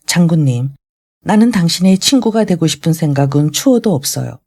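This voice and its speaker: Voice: medium pitch, expressive, a little fast, darkish tone. A reader voicing a sarcastic young man. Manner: sarcastic, argumentative. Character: young man, a sardonic, argumentative youth.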